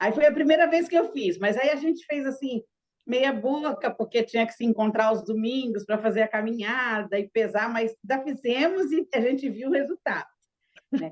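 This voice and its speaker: A high-pitched woman speaks at a moderate pace with lively intonation. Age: 60s. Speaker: client of a nutritionist, churchgoer. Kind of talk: casual interview. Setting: podcast recording.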